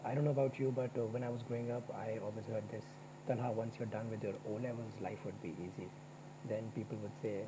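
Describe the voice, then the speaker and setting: A man's voice: medium pitch, noisy background. Young man from Pakistan, joking chatty student, dull lo-fi sound, insects buzzing behind. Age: young adult. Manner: joking, chatty, asks questions. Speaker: university student. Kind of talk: casual paired discussion.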